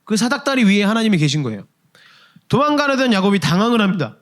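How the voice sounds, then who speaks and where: Young guy preaching to a youth service, pretty high voice, chatty, keeps asking the crowd stuff. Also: fast. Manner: lively, conversational preaching with questions to the congregation; acts out quoted inner voices. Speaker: youth pastor. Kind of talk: sermon. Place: church service.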